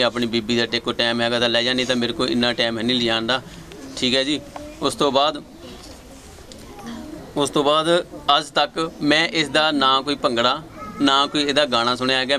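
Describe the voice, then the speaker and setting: A middle-aged Punjabi man from Punjab, India, father of a young dancer, recounts his son's story conversationally and repetitively, often quoting himself and the boy. His mid-range voice is bright and forceful, with slight hiss or hum.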